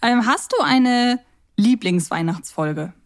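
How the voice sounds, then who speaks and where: A woman's voice: a little high, animated, slow. A woman chatting casually as co-host of a fan podcast.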